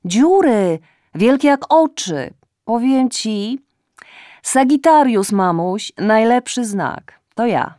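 A woman's voice: fairly high pitch, lively intonation, takes it slowly, warm tone, no room sound, clean studio sound, voice pushed up. A woman voicing a despairing woman of forty-nine who calls her mother and pleads with her, her voice raised and strained. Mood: rambling. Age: 40s.

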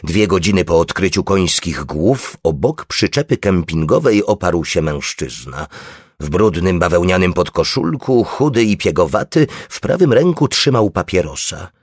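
Deep husky guy reading an audiobook, slow and measured, voice goes up and down a lot. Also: expressive, no room sound, clean studio sound. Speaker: audiobook narrator. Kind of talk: scripted audiobook narration.

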